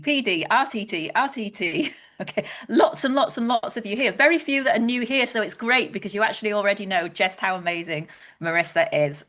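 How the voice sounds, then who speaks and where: A woman's voice: mid-range voice, fairly bright tone. Upbeat woman hosting a live webinar. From Wales. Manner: enthusiastic, chatty, reads out chat messages. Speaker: webinar host, head of publicity. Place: online webinar.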